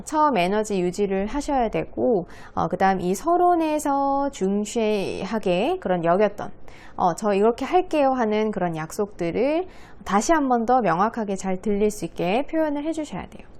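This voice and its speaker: A woman's voice: mid-range voice, darkish tone. A woman speech coach giving a patient, friendly lesson to schoolchildren, writing on a board as she talks. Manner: friendly, patient teacher voice addressing children.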